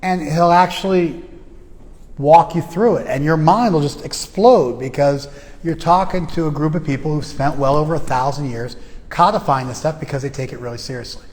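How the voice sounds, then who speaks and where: A spiritual teacher leads an informal class lecture, keeping it loose and conversational with joking asides and plenty of fillers. His voice is on the high side, moderately paced, and a little mellow, and the class venue adds a long hall reverb.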